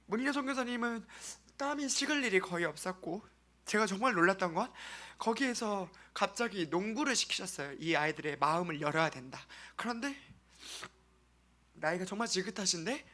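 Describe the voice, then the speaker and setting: A man from South Korea presenting an earnest mission-trip testimony to a congregation as a church member, speaking haltingly with pauses. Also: high voice, expressive, bright, forceful tone.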